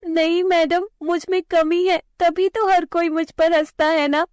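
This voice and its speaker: A woman voicing a timid dark-skinned schoolgirl who pleads in a shaky, high voice. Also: little pitch movement, a little slow, no room sound, clean studio sound. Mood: sad pleading.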